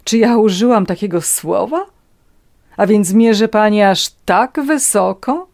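A woman's voice: mid-range voice, expressive, a little slow, darkish tone. A woman voicing a haughty aristocratic countess who speaks with cold contempt. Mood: contemptuous.

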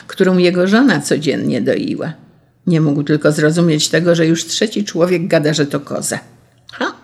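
A storyteller telling an old folk tale in a steady, measured way. The voice is gravelly, with a husky edge. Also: medium pitch.

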